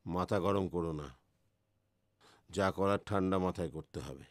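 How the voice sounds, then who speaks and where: An actor playing a shrewd middle-aged family patriarch and politician in a film drama, speaking with calculating authority. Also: male voice, low voice, unhurried, dry recording, studio quality. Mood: calculating, stern.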